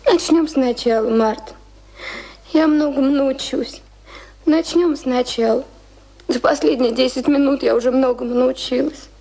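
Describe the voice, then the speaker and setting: A remorseful woman desperately in love, in a radio play. Her voice is high and husky, and she implores slowly, drawing out her feeling. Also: warm tone, heavily acted, low-quality recording. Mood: pleading, tender. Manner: imploring, drawn-out emotional delivery. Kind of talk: Russian radio play acting.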